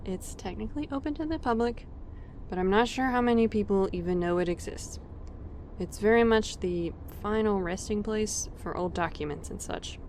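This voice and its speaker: A woman's voice: mid-range voice, normal speed, darkish tone, slight background noise, lightly acted. A woman acting a friendly, concerned, polite character who is eager to help, in audio drama dialogue. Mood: warm, helpful.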